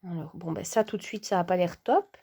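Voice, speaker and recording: A woman's voice: on the low side, a little fast, mellow, husky. A woman from Belgium, chatting casually to camera as a vlogger, hesitant and full of fillers, sometimes dropping to a whisper. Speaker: vlogger and sophrology coach.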